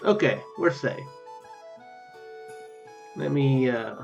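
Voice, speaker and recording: A man's voice: medium pitch, lively intonation, takes it slowly, creaky, lo-fi sound. A man giving casual let's play commentary and reading game text aloud, hesitant and rambling, often repeating his phrases. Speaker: YouTube game player. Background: game music.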